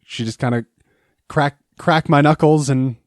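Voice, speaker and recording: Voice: medium pitch, a little slow, no echo, clean studio sound. A tabletop game player chatting casually while describing moves and speaking in character.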